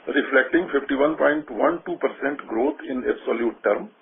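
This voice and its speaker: An Indian-accented man reads a corporate financial report in a formal, measured way, occasionally stumbling and correcting himself. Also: mid-range voice, gravelly. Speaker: company finance director. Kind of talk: formal corporate earnings presentation read aloud. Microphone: telephone conference line. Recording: tinny phone-line audio with light noise.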